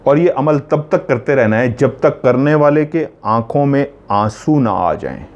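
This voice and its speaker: A man's voice: mid-range voice, expressive, a little slow, darkish tone, highs cut off. A man earnestly explaining spiritual remedies step by step, repeating each instruction to be sure it is followed. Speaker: spiritual healer teaching remedies.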